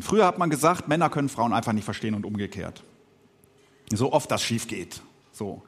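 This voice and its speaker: A pastor in middle age, whose native language was Swiss German, speaks reflectively in a podcast sermon, often pausing and filling gaps with soft hesitation noises. His voice, a little high for a man, has a breathy edge and rises and falls a great deal.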